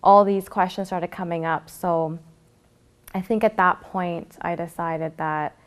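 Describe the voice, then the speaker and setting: A young woman from Canada calmly telling her personal story of faith, often pausing with fillers. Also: lowish voice. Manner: reflective, with frequent fillers. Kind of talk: personal testimony to camera.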